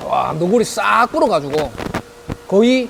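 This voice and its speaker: A man speaks at a very slow pace in a high voice, his pitch swinging very widely, with music playing in the background. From Busan, South Korea. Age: 40s. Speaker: office worker. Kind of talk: casual vlog talk to camera.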